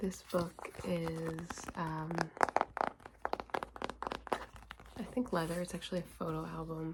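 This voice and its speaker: Soft-spoken and at a fairly slow pace, the speaker leaves long, frequent pauses against noticeable background noise. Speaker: ASMR content creator. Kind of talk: ASMR rambling to camera while tapping books.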